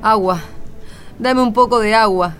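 A woman's voice: mid-range voice, measured pace, a bit bright, faint music behind, close to an everyday voice. Exhausted desert traveller, acted by a woman. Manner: weary, pleading. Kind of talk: radio drama acting. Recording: background ambience noise.

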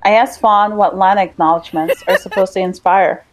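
A woman from Jamaica, narrating a scripted documentary as host in a measured, reflective way. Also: medium pitch, fairly even intonation, a crowd in the background, rough recording.

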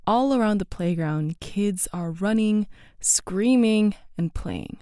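A woman from the Netherlands reading a story as an audio storyteller, measured and even. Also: lowish voice, no echo, clean studio sound. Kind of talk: scripted narration.

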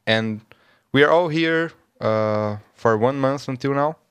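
Guy hosting a radio show, slow halting english, smooth voice, dry sound. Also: mid-range voice, dry recording. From Brazil. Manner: halting non-native English with pauses. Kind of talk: casual radio chat.

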